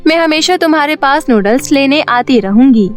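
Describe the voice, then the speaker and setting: A woman's voice: high voice, animated, moderate pace, faint music behind. A woman voicing a cheerful, generous young fairy who loves food, chirpy and friendly, in a children's story cartoon.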